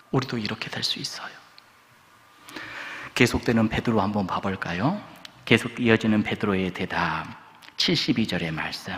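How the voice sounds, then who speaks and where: A pastor preaching a sermon, asking the congregation questions and dropping from loud stresses to hushed whispers. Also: male voice, medium pitch. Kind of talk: Sunday sermon. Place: church sanctuary. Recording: echoey church hall.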